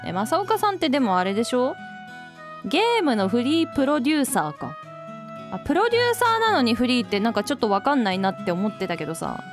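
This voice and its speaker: A woman giving chatty, casual commentary while playing a game, reacting quickly between reading lines. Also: a little high, very animated, over music. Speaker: let's play host.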